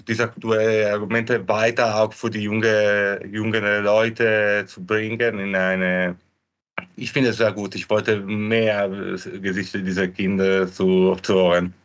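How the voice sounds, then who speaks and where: Slow, halting man. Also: on the low side, fairly bright tone. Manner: halting, searching for words in non-native speech. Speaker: podcast guest. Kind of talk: casual chat.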